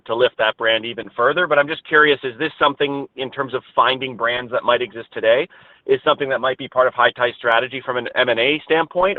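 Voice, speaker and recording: A man's voice: medium pitch, no echo. A man, a financial analyst, asking wordy, hesitant questions on an earnings call. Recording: dry, tinny phone line.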